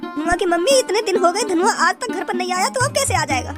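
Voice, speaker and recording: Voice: extremely high pitch, lively intonation, fast, music in the background. A performer voicing a remorseful cartoon father who weeps over his missing son. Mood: regretful. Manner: weeping and regretful.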